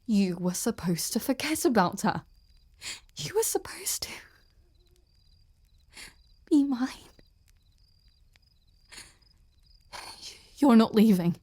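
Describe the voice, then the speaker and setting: A woman playing an obsessed, cruel ice queen general in a dramatic audio roleplay, halting and intense, often breathy. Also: a little high, sing-song, darkish tone, full character voice. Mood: angry, possessive.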